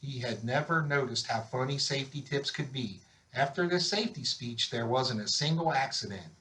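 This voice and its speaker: A man reading a children's picture book aloud in an expressive storytelling style. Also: mid-range voice, normal speed, rough recording. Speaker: volunteer story reader.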